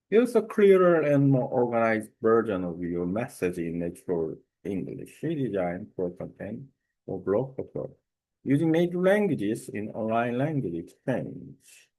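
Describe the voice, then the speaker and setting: Man, Korean accent, native Korean speaker, fairly low voice, reading a prepared text aloud, careful and halting, filler pauses. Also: very animated, warm tone, rough recording. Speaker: language learner sharing a study method.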